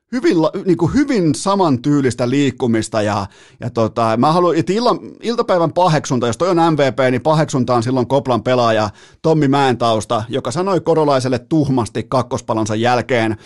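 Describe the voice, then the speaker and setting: A man hosting a sports podcast, rambling and animated as he tells a match story, with lots of fillers and laughs. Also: medium pitch. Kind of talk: casual sports chat.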